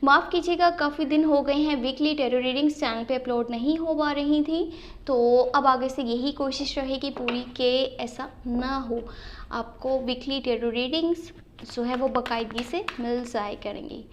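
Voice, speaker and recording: Speaking at a normal speed with fairly even intonation, a Pakistani woman with a high voice reads tarot for her channel's viewers. She has a slightly sore throat and drops English phrases into her speech.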